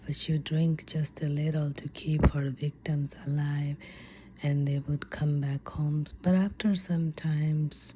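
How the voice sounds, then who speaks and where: Slow, whispering woman telling an ASMR story. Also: deep voice, a little hiss or hum. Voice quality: breathy, unvoiced whisper. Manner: hushed, halting delivery with frequent pauses.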